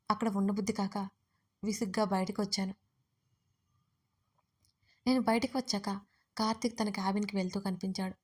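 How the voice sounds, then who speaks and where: A woman reads a first-person romance audio story in a dramatic storytelling manner. Her pitch stays narrow and flat, with little rise or fall.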